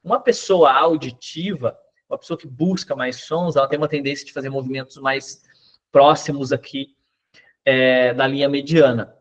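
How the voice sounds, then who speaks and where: A man teaching a class on body language, explaining step by step with lists of examples and quick checks with his listeners. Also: medium pitch, fairly even intonation, dull audio. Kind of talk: recorded class lecture.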